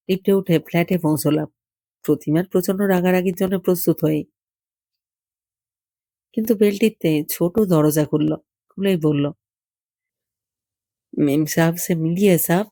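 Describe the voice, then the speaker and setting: Audiobook story reader, medium pitch, warm dark tone, intimate fireside storytelling, dry sound. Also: no room sound. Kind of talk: scripted narration of a literary short story, unhurried storytelling.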